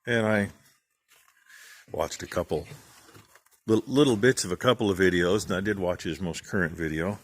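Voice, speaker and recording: Low-voiced folksy farmer vlogger. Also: male voice, moderate pace, long pauses. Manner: folksy, rambling, plain-spoken. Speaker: farm channel vlogger. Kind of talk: casual rambling shout-outs.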